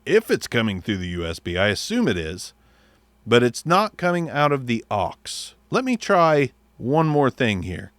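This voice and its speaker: A man reviewing gear in a relaxed, off-the-cuff way, blunt and sometimes swearing. His voice sits at a middle pitch and the sound is dry and close to the mic. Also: moderate pace, no echo. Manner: blunt, profane, thinking aloud.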